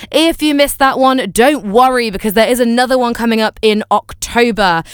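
A young woman hosting a music radio show, chatty and enthusiastic, often pausing on fillers and apologizing for names she might mispronounce. Her voice is smooth and clear, recorded close and dry with no room sound. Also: medium pitch, dry recording. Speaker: radio presenter. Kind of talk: casual radio chat.

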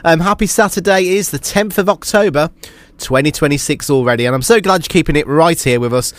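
A man's voice: fairly high pitch, quick pace, no echo. A British man hosting a casual live radio show, sounding nasal and blocked up with a cold, as if his nose were pinched. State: congested with a cold. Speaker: radio host. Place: radio studio.

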